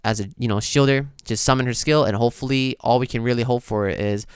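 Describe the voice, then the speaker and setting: A man's voice: medium pitch, fairly even intonation, fast talker, smooth, dry recording, clean studio sound. A man giving casual, conversational reaction commentary as a video host, explaining things with frequent asides. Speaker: video host reacting to game character preview. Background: background music.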